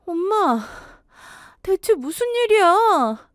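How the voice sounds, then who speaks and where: Here the narrator reads a young bride-to-be, anxious and puzzled, asking question upon question in a sing-song manner at moderate speed. Her pitch jumps about and sits higher than the storyteller's narrating voice. The sound is a little mellow, captured close and dry.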